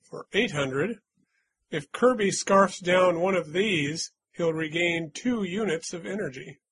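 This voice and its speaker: Male quiz host, playful and teasing, slightly high husky voice, dry close sound. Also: takes it slowly, fairly bright tone, dry recording. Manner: playful, teasing, hums little doot-doot jingles. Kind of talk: casual podcast quiz reading.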